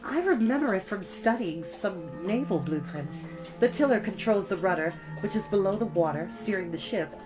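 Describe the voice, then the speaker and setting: A woman plays a clever teenage girl from a storybook, with a voice lifted higher. She is brisk and commanding, explaining and giving orders. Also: expressive, over music, close to an everyday voice, low-quality recording. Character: clever, take-charge teenage girl steering through a storm.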